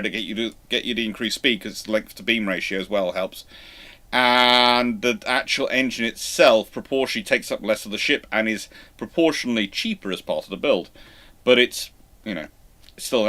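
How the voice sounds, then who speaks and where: Male live-show host, mid-pitched, explanatory and discursive, often breaking off to rephrase himself mid-sentence. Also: sharp tone. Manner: explanatory, halting with false starts and self-corrections. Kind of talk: informal live Q&A commentary on naval history.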